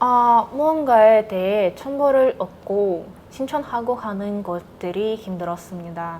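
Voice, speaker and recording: Using lively intonation and hardly any pauses, a woman with a fairly high pitch and a Russian accent talks at a very slow pace. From Kazakhstan. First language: Russian (speaking Korean). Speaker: university student. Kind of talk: interview. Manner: formal.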